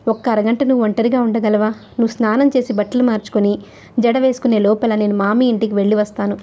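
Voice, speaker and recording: A woman reading the lines of an earnest, protective young husband in a gentle but firm, low voice. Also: steady tone, quick pace, lo-fi sound, close to an everyday voice.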